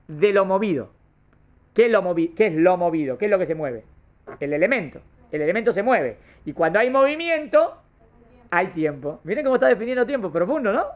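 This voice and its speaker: A man's voice: high voice, darkish tone. A man, teaching a class on Jewish thought, asking the class questions and answering them himself. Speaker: Torah teacher.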